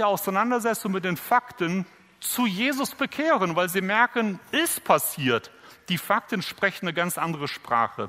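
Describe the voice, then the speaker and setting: In a raised, projected voice, a man with a bright, sharp tone and high pitch speaks at a fairly slow pace with lively intonation. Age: 50s. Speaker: guest preacher. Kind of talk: sermon.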